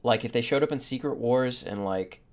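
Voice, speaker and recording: Male podcast host, average pitch, informal and opinionated, delivers views with emphasis. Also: moderate pace, a little mellow. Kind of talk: casual opinionated panel chat.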